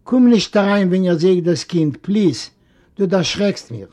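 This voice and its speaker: A sad young mother pleads in a soft, raised voice , put on by a man reading aloud. Her grief is quiet and steady in this storybook reading. The tone stays dark and mellow. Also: sits high, unhurried. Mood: pleading.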